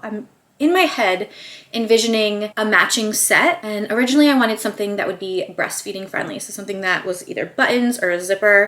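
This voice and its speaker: A young woman talks in a chatty, upbeat way, filling her sentences with "like" and "I don't know" as she paints her nails. She sounds a little out of breath. Her voice sits at an ordinary middle pitch, and she is recorded in a dining room at home. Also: a bit bright. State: slightly out of breath. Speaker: beauty vlogger. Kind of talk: casual chat while doing a manicure.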